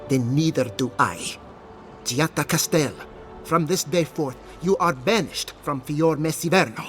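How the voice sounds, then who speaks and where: A man's voice: a little high, a little slow, fairly bright tone, faint music behind. An actor playing a haughty, unyielding town governor, a man speaking formally and curtly in video game dialogue. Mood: stern, cold. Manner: formal, authoritative, curt.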